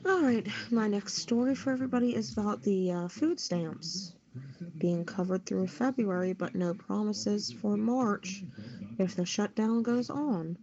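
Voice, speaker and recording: A woman's voice: mid-range voice, a little slow. A woman from the United States reading news aloud as a co-host and adding personal comment. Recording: dull lo-fi, crowd noise behind.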